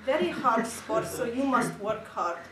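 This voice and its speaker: A woman's voice: a little high, expressive, measured pace, far from the mic, noisy background. A young woman putting on the voice of an older Russian man coaching gymnasts, in emphatic broken English with a Russian accent. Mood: gruff pep talk. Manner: broken English, emphatic pep-talk delivery. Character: burly older male Russian gymnastics coach, gruff but encouraging. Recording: roomy, picked up from afar.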